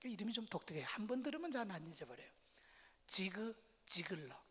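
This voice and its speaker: A middle-aged man, a professor giving a lecture on family life at a church, talking in a lively way and acting out everyday phrases with exaggerated intonation. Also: sits high, a little fast, husky. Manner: lively, acts out quoted lines with exaggerated intonation. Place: church sanctuary. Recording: reverberant church hall.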